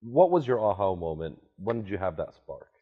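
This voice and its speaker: A man's voice: sits low, very animated, moderate pace, breathy edge, phone-quality sound. A man hosting an interview show, upbeat and direct, prompting his guest with questions. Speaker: podcast host.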